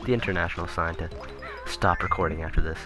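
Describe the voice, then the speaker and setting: A man commentating casually on a video game he is playing, rambling and correcting himself, his voice turning raspy. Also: low voice, fast talker. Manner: rambling, self-correcting, chuckling asides. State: voice getting raspy. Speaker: let's play commentator. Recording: game music playing behind.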